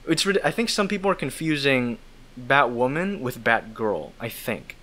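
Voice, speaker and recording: A man with a bright, forceful voice, chatting as a guest on a podcast. He gives his opinions in an animated, exasperated way. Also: mid-range voice, normal speed, slight background noise. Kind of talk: casual podcast chat.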